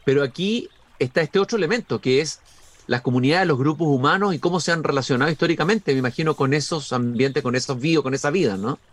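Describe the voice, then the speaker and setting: A man hosting an interview, asking slow, reflective, musing questions. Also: fairly high pitch. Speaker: interview host.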